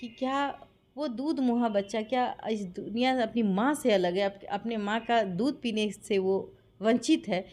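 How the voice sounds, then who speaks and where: A woman's voice: on the high side, measured pace, a little mellow. A woman with a Bihari accent giving impassioned interview testimony, insistent and full of rhetorical questions. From Bihar, India. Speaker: interviewee giving her account of a dispute.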